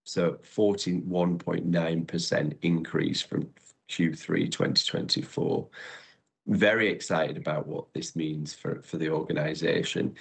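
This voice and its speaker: A man presenting company results as chief executive on an earnings call, in a measured, businesslike and upbeat way. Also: a bass voice, gravelly, husky.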